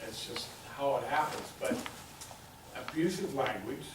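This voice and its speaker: A male council member reasons out his view in a measured way, pausing between thoughts. He is picked up from far off in a heavily echoing chamber. A clear hiss sits under the voice. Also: mid-range voice, lively intonation. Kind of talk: meeting discussion.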